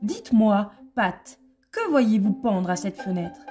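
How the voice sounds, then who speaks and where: A woman voicing a fussy, bossy male white rabbit in a storybook reading, with a shrill, commanding, impatient manner. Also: sing-song, slow, dark tone, faint music behind.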